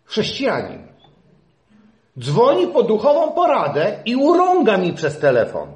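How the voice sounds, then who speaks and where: A middle-aged male pastor preaching a sermon, swinging between emphatic peaks and quiet asides. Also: sits high, huge pitch swings, a little slow, reverberant.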